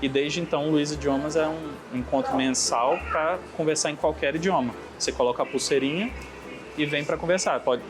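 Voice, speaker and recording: A man running a café explains his event in a relaxed manner, with repeated fillers. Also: medium pitch. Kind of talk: casual interview testimony. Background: background music.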